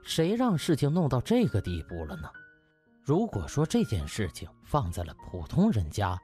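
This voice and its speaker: A man's voice: mid-range voice, wildly swooping pitch, normal speed, warm tone, faint music behind. A man narrating a novel as a dramatised audiobook.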